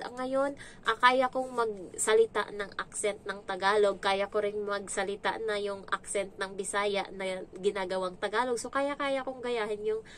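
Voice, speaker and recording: A young woman from the Visayas with a voice, talking casually to camera as a domestic helper vlogger and telling animated stories. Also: medium pitch, a little hiss or hum. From Visayas, Philippines. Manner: chatty, animated storytelling with imitations.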